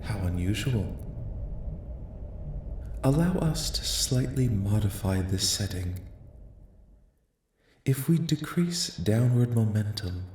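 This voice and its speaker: A man voicing a calm, curious, clinical alien researcher in a soft-spoken ASMR roleplay, with measured, formal, detached questioning. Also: lowish voice, close to an everyday voice. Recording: roomy echo, light background noise.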